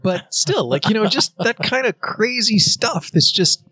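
A Canadian man talks loosely in casual podcast chat, his voice slightly husky. He backtracks and fills gaps with "you know" as he goes. The recording is dry and close. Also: high-pitched, expressive, a little slow, bright, forceful tone, no echo. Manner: rambling, many fillers and restarts. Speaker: podcast co-host.

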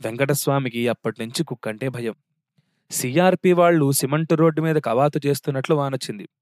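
A man narrating a story in a steady, wry reading voice. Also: medium pitch, brisk, no room sound, clean studio sound.

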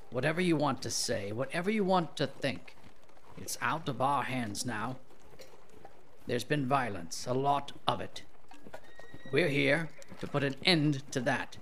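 A man playing a stern, resigned commanding officer in a role-play drama, speaking with measured authority. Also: medium pitch, a bit bright, slight background noise. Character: stern, resigned male commanding officer in an old mining town.

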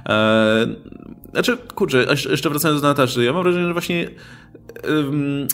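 A man's voice: fairly high pitch, moderate pace, fairly bright tone, faint music behind. A man co-hosting a casual film discussion podcast, talking with many fillers and restarts. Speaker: podcast co-host.

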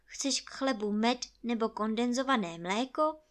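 A woman's voice: a little high, voice pushed up, natural voice. A woman voicing a cautious, fussy little rabbit with a prim, polite manner in a storybook reading.

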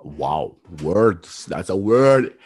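A man's voice: low-pitched, expressive, drawn-out words, darkish tone, dry recording, studio quality. A man who is a chef hosting a podcast, encouraging his guest and often saying "yeah.". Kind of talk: casual interview chat.

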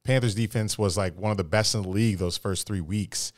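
A man co-hosting a casual sports podcast, animated and crude, talking to players as if they could hear him. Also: fairly low pitch, brisk, no echo, clean studio sound. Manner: animated, crude slang, talks to players as if present. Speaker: podcast co-host.

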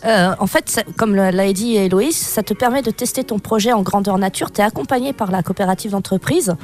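A woman's voice: mid-range voice, brisk, a little mellow, faint music behind. A woman co-hosting a casual radio chat, explaining things while searching for words and restarting. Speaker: radio co-host.

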